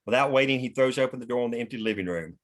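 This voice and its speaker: A man's voice: medium pitch, rapid-fire, fairly bright tone. A man hosting a script table read, reading stage directions and chatting casually. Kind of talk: script narration and casual discussion.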